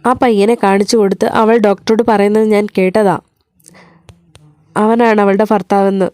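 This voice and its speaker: An anxious middle-aged mother, as a woman reading the story puts her on, pleading and hurt. Her voice is soft and mellow, and the sound is dry and close. The role stays near the reader's own plain voice. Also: mid-range voice, flat delivery, normal speed, smooth, dry recording, natural voice. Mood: distressed.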